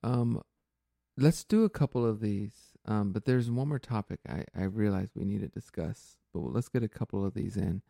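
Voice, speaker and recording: A male podcast host with a fairly low, mellow voice. He talks earnestly and reflectively, thinking aloud with plenty of fillers and restarts. The sound is dry and close. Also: normal speed, gravelly, no room sound. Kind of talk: casual reflective chat.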